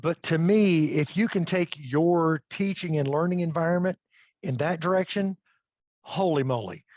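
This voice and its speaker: A man's voice: fairly high pitch, moderate pace, no echo, muffled recording. A man presenting a live webinar demo, upbeat and checking in with the audience as he goes. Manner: upbeat, addresses audience with "okay?" and "right?".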